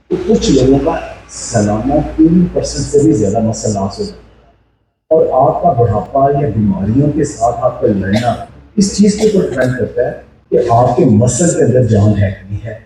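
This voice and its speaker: A man's voice: medium pitch, dark tone. A man in his sixties with a Pakistani accent explains health matters, posing questions and mixing in English terms. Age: 60s. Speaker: health educator. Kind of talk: explanatory health video talk. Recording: echoey, distant mic, faint noise.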